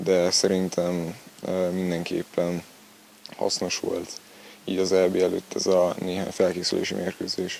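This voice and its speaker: A man's very deep, low voice, monotone and flat, at a very slow pace with long, frequent pauses, a dry sound with no echo and light background noise. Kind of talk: interview answer. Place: hall. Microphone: handheld.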